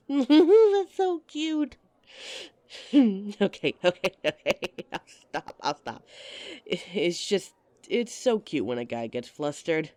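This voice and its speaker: A woman's voice: medium pitch, big pitch swings, very slow, pauses often, warm tone, dry recording. A woman playing a giggly, teasing date. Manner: teasing and giggly, laughs often. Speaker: voice actress in an audio roleplay. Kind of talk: audio roleplay addressing the listener as a date.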